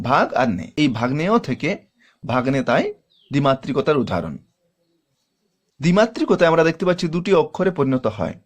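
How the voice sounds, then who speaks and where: A man with a Bengali accent teaching a grammar lesson, patiently repeating definitions and sounding out syllables one by one. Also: on the high side. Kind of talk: explanatory lesson.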